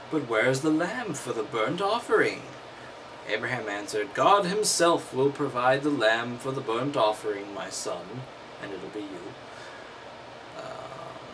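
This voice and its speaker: A man's voice: mid-range voice, noisy background. A man reading aloud and breaking off into wry, mocking commentary. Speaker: host.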